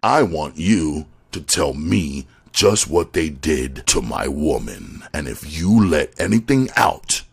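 A hardened gangster out for revenge speaks low and slow, every order clipped and flat, as a man reads him. The voice is very deep and rough, with a husky grain. It is the storybook voice of a crime novel. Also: exaggerated voice. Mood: menacing. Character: cold, menacing male gangster out for revenge.

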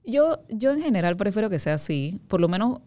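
A woman's voice: medium pitch, big pitch swings, a little fast, mellow. A woman in her thirties, an interview guest, speaking frankly in long, looping sentences full of asides. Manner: frank, talks in long loops with many "o sea" asides. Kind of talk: candid conversational interview.

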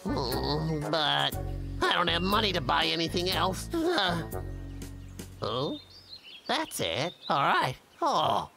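An actor voicing an excitable, grumbling male cartoon logger, hapless and dramatic, who whines and mutters to himself. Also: medium pitch, takes it slowly, creaky, over music, exaggerated voice. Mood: scheming, self-satisfied. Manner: whiny, exclamatory, muttering to himself. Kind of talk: exaggerated cartoon voice acting.

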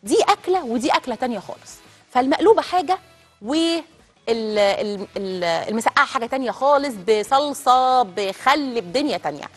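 With soft music playing behind her, an Egyptian-accented woman cooks live in a studio kitchen for her TV show and talks straight to the audience. Her voice is a little high and fairly quick, with lively intonation and a chatty manner.

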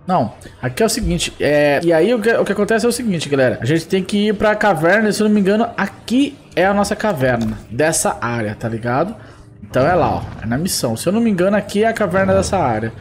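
A man doing excitable gameplay commentary, often exclaiming to his audience. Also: high-pitched, quick pace, a little hiss or hum. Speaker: gameplay streamer.

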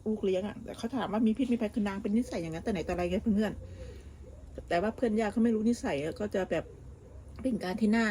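A woman's voice: medium pitch, fast talker, dark tone, slight background noise. A woman vlogger, chatting casually and gossiping about family while cooking at home, often restarting her sentences. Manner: gossipy, talks with many restarts and fillers. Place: home kitchen abroad.

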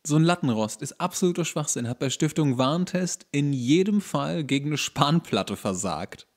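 A man in casual comedic chat as a podcast co-host, dry and halting, rephrasing his points. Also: on the high side, expressive.

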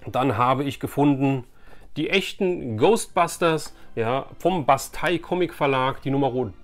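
A man's voice: mid-range voice, animated, measured pace, faint music behind. A man in his forties hosting a casual vlog, chatting to viewers in a conversational, anecdotal way. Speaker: YouTube host, collector. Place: small indoor room with shelves of collectibles.

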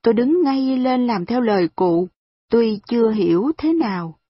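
A woman reading a novel aloud in a calm, steady storytelling voice. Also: on the high side, normal speed, slightly rough, no echo, muffled recording. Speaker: audiobook reader.

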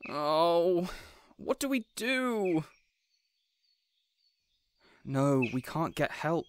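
A man playing an anxious, well-meaning but inept young would-be supervillain in an audio roleplay, flustered and quick to blame himself. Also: a little high, very animated, clean tone, no echo, voice pushed up, heavily acted. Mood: distraught, self-blaming. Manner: flustered, self-blaming, urgent.

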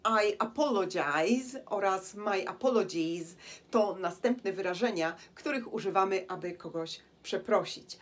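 Polish woman teaching English phrases. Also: mid-range voice. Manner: slows down and stresses English example phrases. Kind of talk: language lesson narration.

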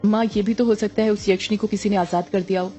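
A woman's voice: medium pitch, steady tone, fast, warm tone, soft background music, close to an everyday voice. Woman voicing an anxious pleading young daughter. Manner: insistent, pleading.

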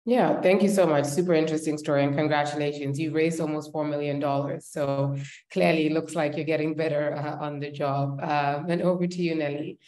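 Woman moderator, very low voice, flat delivery, polite questions, video call. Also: fairly quick. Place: indoor room.

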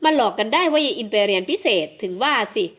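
A woman's voice: a little high, expressive, fast talker, fairly bright tone. A woman voicing an elderly aristocratic aunt who is doting but bossy, in an audiobook. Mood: indignant. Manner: fussy, scolding, affectionate. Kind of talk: audiobook character voice.

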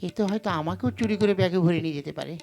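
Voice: medium pitch, racing, gravelly, natural voice. A performer voicing an irritable, hungry goddess puppet who grumbles and scolds in a Bengali folk comedy. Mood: indignant scolding. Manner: grumbling, scolding, corrects sharply. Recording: loud music behind the voice. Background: music.

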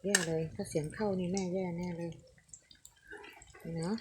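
Older woman, home cooking vlogger, lowish voice, chatty, clear pan sizzle underneath. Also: fairly even intonation, normal speed. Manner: chatty, addresses viewers, coaxes a child between steps. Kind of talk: casual cooking demonstration. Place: home kitchen. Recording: noisy frying sizzle behind. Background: oil sizzling in a pan.

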